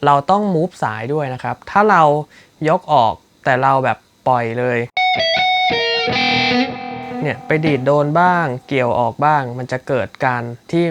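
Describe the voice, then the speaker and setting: A man's voice: on the high side, measured pace. A man teaching a rock guitar solo lick, explaining technique politely with frequent fillers. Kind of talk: casual instructional talk. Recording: guitar playing behind the voice. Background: loud electric guitar music.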